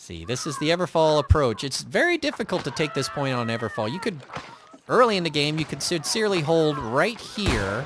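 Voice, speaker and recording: A man with an American accent, very wide pitch swings and music in the background. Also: fairly high pitch for a man, fairly quick pace. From US Midwest. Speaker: gaming streamer doing mock news commentary. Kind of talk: live commentary. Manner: animated.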